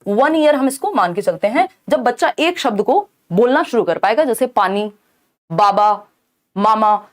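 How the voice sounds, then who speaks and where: Young woman teacher, high voice, explanatory lecture style with frequent check-ins. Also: lively intonation, measured pace. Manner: explanatory, checks in with students often. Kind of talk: exam-prep lecture.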